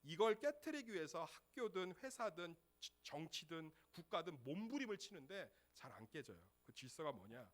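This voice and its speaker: A middle-aged pastor preaches in a lively, swooping voice that sits a little high for a man. He talks to the congregation like a conversation, tossing out rhetorical questions and having them repeat phrases back. His delivery is animated rather than solemn. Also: normal speed, hardly any pauses. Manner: leads congregation in call-and-repeat. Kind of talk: sermon.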